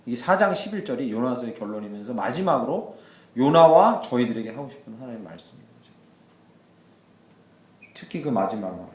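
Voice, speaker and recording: A male pastor delivers a midweek sermon at a middle pitch with a lively, rising and falling voice. He tells the story with animation and slips into the voices of the characters. The sound echoes around a church hall. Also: fairly quick, pauses often.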